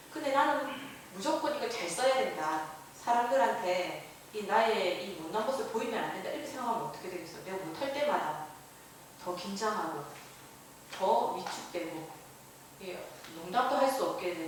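A woman's voice: medium pitch, slight background noise. A Buddhist nun giving a dharma talk to a class in a conversational way, with personal stories and voices for her own inner thoughts. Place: temple lecture hall. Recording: echoey, from far off.

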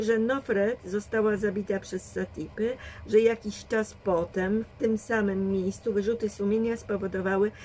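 A woman's voice: mid-range voice, darkish tone, a little hiss or hum, close to an everyday voice, low-quality recording. A woman voicing a shrewd, dry and commanding old grandmother who reasons firmly in a read storybook. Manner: measured, firm reasoning.

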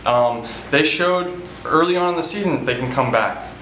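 The speaker is a thirty-something baseball team manager giving a post-game press interview in an indoor press room with a sponsor backdrop behind him. His slightly bright voice sits on the high side and moves at a moderate pace, and his earnest answers are full of fillers, restarts, and repetition. It's a rough recording with roomy sound and slight background noise.

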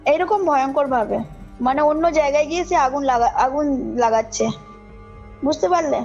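A woman's voice: high-pitched, moderate pace. A woman tells a personal story as a caller, informally and emphatically, often checking that her listener follows. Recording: muffled call audio under loud music. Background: background music.

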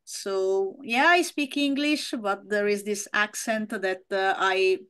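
A woman's voice: medium pitch, takes it slowly, a bit bright, clear, resonant tone. A woman in her thirties with a strong Italian accent, casually hosting an interview over a video call from home. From Italy. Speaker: podcast host.

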